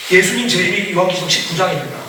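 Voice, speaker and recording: A man preaching as a missionary, lively and laughing, acting out quoted voices. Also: high voice, very fast, noisy background. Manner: animated, acts out quoted voices, laughs often. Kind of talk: sermon lecture. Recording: echoey hall, far from mic.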